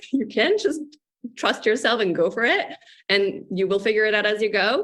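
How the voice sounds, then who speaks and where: A woman speaks in an unremarkable speaking voice at a fairly high pitch, with ordinary pitch variation. Her pace is moderate and her loudness very even. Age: 30s. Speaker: eating disorder recovery coach. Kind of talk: casual chat.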